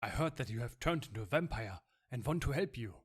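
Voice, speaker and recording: A man voicing an urgent, helpful male rescuer in recorded video game dialogue, with a husky voice. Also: medium pitch, animated, a little fast. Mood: urgent, relieved.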